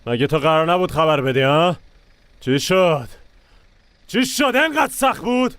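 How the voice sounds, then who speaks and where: An actor dubbing a hot-tempered male gang member in a TV drama, scolding and shouting. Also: fairly high pitch, smooth, lightly acted. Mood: angry. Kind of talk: dubbed TV drama.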